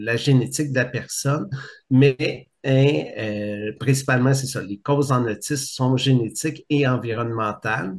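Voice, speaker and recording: Here a man speaks at a medium pitch. His voice is somewhat breathy. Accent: Quebec. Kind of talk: interview testimony. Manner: repeats syllables and phrases (echolalia); atypical prosody, rhythm and tone.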